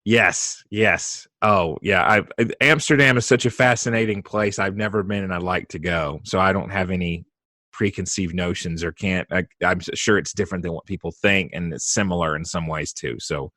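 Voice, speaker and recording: A man's voice: low-pitched, normal speed, bright, forceful tone, no echo, clean studio sound. A man hosting a podcast as a therapist, asking questions eagerly and explaining ideas in a casual, affirming way. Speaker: podcast host, EMDR therapist.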